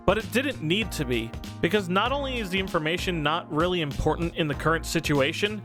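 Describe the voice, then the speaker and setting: A man giving a casual, scripted game review in an irreverent, informal, sweary way. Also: fairly high pitch. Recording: music behind the voice. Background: background music.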